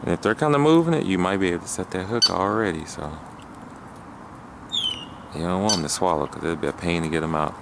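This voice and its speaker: Deep gravelly guy in a kayak, patient fishing tips, noisy head-cam sound. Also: quick pace, pauses often. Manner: patient, coaching. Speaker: angler teaching a companion to fish. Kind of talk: casual outdoor chat. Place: kayak on a reedy lake outdoors. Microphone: head-mounted action camera. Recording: noisy outdoor camera audio.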